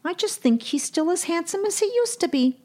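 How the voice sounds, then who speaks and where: A woman's voice: extremely high pitch, animated, fairly quick, mellow. Woman playing a dreamy older mother. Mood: dreamy coy. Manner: sighing, dreamy, bashful. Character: romantic older Brooklyn mother, sentimental and coy. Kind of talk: comic audio drama.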